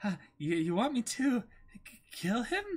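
A man's voice: sing-song, a little slow, darkish tone, husky, heavily acted. A man voicing a sly, greedy young woman thief who coaxes and turns nervous under pressure. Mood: nervous, coaxing. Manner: high-pitched pretence, coaxing, stammering when pressed.

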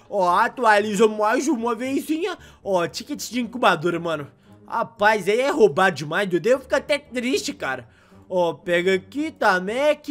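Young brazilian gamer guy, brazilian portuguese accent, high voice swinging around, a bit hoarse, keeps exclaiming. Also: fairly bright tone. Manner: exasperated, exclaims often, heavy slang. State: voice going hoarse. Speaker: gaming YouTuber. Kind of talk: excited gameplay commentary.

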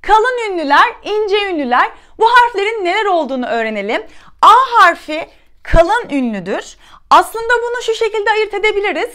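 A woman teacher from Turkey giving a lesson to young schoolchildren, slowly and clearly sounding out letters one by one. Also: very high voice, fairly bright tone. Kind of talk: children's lesson.

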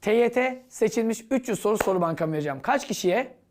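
A woman's voice: a little high, animated, quick pace, darkish tone, a little hiss or hum. A woman teaching an exam-prep grammar lesson, asking herself questions and answering them in a playful, chatty way. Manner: playful, chatty classroom banter.

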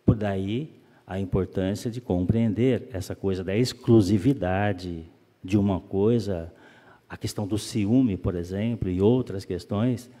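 A man giving a calm, explanatory spiritist lecture, often asking rhetorical questions. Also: lowish voice. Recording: long reverb of a hall.

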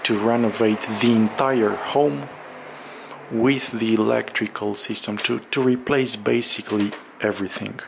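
Man, slow halting speech, creaky low register, casual vlog walk-through, noisy bare room. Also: fairly even intonation. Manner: halting, hesitant delivery with drawn-out pauses. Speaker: vlogger. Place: bare room under renovation, indoors, windows open.

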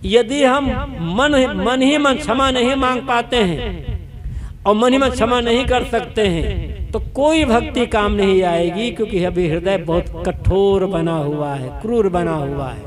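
A man with a high voice delivers a devotional sermon to a gathering, a crowd audible behind him. He speaks earnestly and repeats his points to drive them in. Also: a little slow. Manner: earnest, repetitive exhortation. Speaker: saint giving a discourse. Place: satsang gathering.

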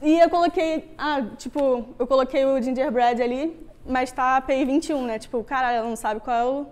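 A woman's voice: high voice, brisk, a little mellow, a little hiss or hum. A young woman with a Rio de Janeiro Brazilian accent giving an informal tech talk in a casual, conversational manner. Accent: Rio de Janeiro (carioca) Brazilian. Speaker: Android developer, meetup speaker. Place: meetup room with wooden floor, on stage before a screen.

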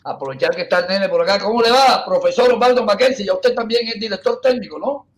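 A man's voice: high-pitched, quick pace. A man hosting a talk show over a video call, jovial, calling on guests and cutting in. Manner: jovial, interrupting, calls on guests. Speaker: host. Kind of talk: casual talk show banter.

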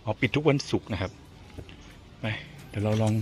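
A man's voice: on the low side, a little fast, faint music behind. A man vlogging casually while walking outdoors, chatty and exclaiming as he talks to his viewers. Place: outdoors on a street and in a garden cafe.

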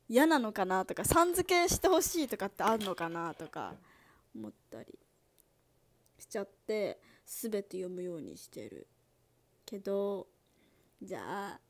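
A young woman hosting a casual livestream, chatting with viewers and reading their comments, giggling often. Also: high voice. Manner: giggly, bubbly, laughs often. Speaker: idol livestream host.

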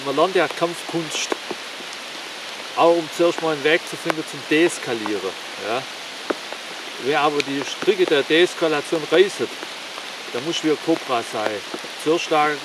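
A man in his forties talking casually to camera in a forest, rambling and halting. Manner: rambling, halting with many fillers; louder and higher while demonstrating strikes. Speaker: martial arts YouTuber. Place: forest, outdoors. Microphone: camera on the ground, several meters off. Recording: distant camera mic with rain hiss.

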